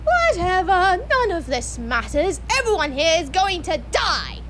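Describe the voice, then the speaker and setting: A woman's voice: very high voice, very animated, a little slow, a bit bright, slight background noise, heavily acted. A woman playing a cynical, exasperated mercenary leader in an amateur audio drama. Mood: scornful. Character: cynical nihilist female mercenary leader posing as eco-terrorist.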